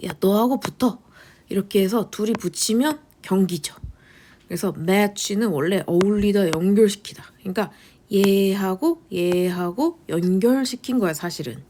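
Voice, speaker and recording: A woman teaching English vocabulary in a lecture, asking quick rhetorical questions and answering them herself, often dropping into a whisper. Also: mid-range voice, a little mellow, a little hiss or hum.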